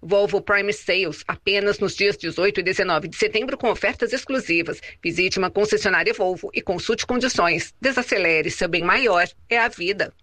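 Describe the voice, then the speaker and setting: A woman giving a brisk, matter-of-fact radio traffic report. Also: medium pitch, a bit bright, no room sound.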